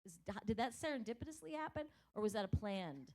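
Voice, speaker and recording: A woman's voice: a little high, big pitch swings, quick pace, a little mellow. A woman in the audience at a library event asking an author an enthusiastic, talkative question. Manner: enthusiastic, talkative, self-described big voice.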